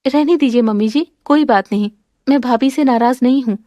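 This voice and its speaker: A woman voicing a gentle, sensible young daughter-in-law who speaks politely and calmly. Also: high voice, fairly quick, no echo, natural voice. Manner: polite and calm.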